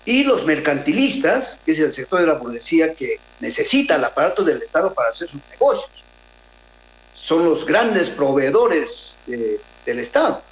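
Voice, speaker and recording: Man, Peruvian Spanish accent, higher pitch, radio guest, measured, hesitant, roomy echo. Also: sing-song. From southern Peru. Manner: measured, hesitant, many filler pauses and restarts. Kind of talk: radio interview, political analysis.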